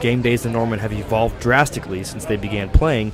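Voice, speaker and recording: With an American accent, a man speaks at a fairly low pitch. Music plays in the background. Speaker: college student news anchor and reporter. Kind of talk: TV news anchor reel.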